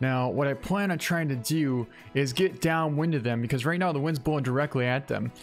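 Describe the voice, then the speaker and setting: Music plays behind a man speaking at a fairly quick pace. His pitch is fairly high, with ordinary variation. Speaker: hunter. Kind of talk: hunting vlog talk to camera.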